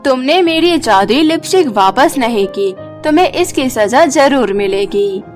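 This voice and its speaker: Woman voicing a stern, high-voiced magical fairy. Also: animated, measured pace, faint music behind. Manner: solemn, admonishing. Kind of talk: Hindi cartoon moral story acting.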